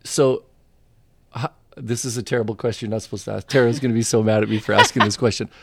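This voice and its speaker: A man co-hosting a casual podcast interview, animated and laughing. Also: on the low side, quick pace, creaky, very noisy. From Canada. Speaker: podcast co-host.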